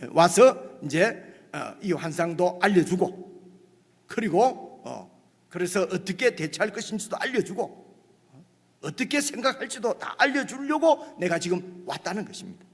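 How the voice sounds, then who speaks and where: A man's voice: sits high, expressive, normal speed, slightly rough. A male pastor preaching a midweek sermon, in a conversational way with frequent asides to the congregation. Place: church sanctuary. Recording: long church reverb.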